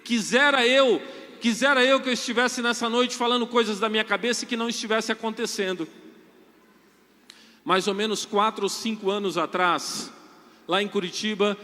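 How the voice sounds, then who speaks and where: Brazilian male priest, sermon delivery, bright forceful tone, addresses the crowd directly, reverberant hall. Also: high-pitched. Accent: Brazilian Portuguese. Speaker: Catholic priest preaching. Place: large church hall with long reverb.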